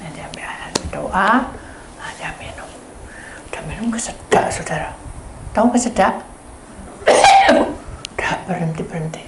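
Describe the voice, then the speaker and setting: A woman's voice: fairly low pitch, normal speed, pauses often, in a whisper. A woman pastor telling a story in a conversational sermon, often turning to her listeners. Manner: animated, conversational, addresses listeners as saudara. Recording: roomy echo with faint background noise.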